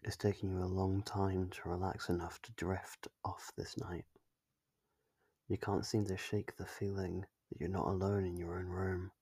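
A man with a breathy, gravelly voice narrating a second-person ASMR horror story. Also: low-pitched, level tone, normal speed, a little mellow, no room sound.

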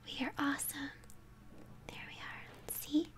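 A woman's voice: sits high, fairly even intonation, measured pace, fairly bright tone. Whispering young woman doing ASMR game commentary. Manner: encouraging, chatty, addressing viewers. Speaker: game streamer. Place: indoor room at home. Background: video game music.

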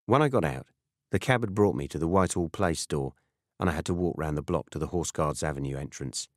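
Deep-voiced British man narrating an audiobook. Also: a little fast, no room sound, clean studio sound. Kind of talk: scripted first-person novel narration.

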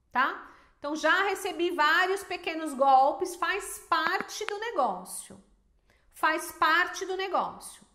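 A Brazilian woman giving emphatic, animated business advice to viewers, with rhetorical questions. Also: very high-pitched, reverberant. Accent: Brazilian Portuguese. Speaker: small business owner and teacher.

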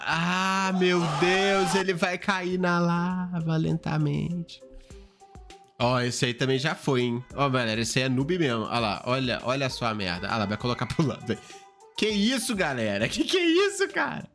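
A man, a gaming YouTuber, reacting to game clips in an excitable, exclamatory way, swinging from jumpy high shouts to low mutters. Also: moderate pace, faint music behind.

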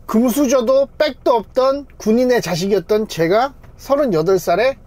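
A car-collecting YouTuber in his thirties talks casually and self-assuredly to his vlog camera. He's mostly inside a car and sometimes outdoors. His voice is very high and darkish in tone, at a moderate pace.

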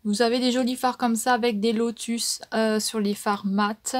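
A woman's voice: on the high side, steady tone, moderate pace. A woman with a French accent casually reviewing makeup palettes, chatty and full of fillers. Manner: chatty, many fillers and "donc". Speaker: beauty vlogger.

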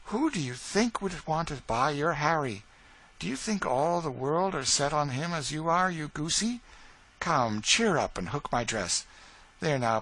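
Man doing a brisk kind lady of the house, chiding but reassuring, pitched up a bit, storybook voice. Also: sharp tone, full character voice, low-quality recording. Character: brisk, kindly lady of the house, gently scolding.

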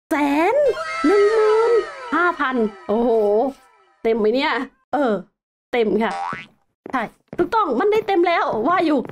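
A woman's voice: high-pitched, slight background noise. A young woman host chatting through her gameplay, exclaiming often and calling herself by name. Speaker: gaming channel host. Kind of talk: Minecraft gameplay commentary.

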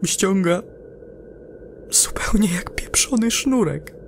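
An actor playing a frightened, overwrought space explorer in an audio drama, speaking in halting fragments. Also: medium pitch, animated, whispered. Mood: fearful, stunned. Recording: music under the voice. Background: music.

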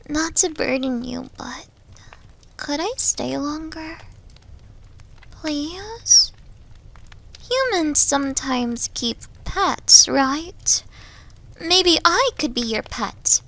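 A woman playing a needy, devoted young yandere wolf girl in an ASMR roleplay, with a hesitant, breathy, pleading manner. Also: sits high, fairly bright tone, heavily acted.

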